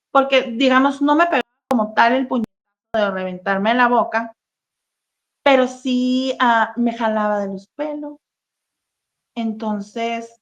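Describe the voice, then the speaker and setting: A woman telling her own painful story as an interview guest, halting and full of fillers and restarts. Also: a little high. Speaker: interview guest sharing a personal testimony. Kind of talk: emotional personal testimony, casual talk. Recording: dull, lo-fi sound.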